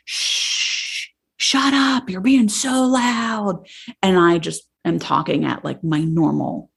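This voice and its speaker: A woman therapist hosting a podcast, talking casually and passionately, with a voice that carries loudly. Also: sits low, gravelly.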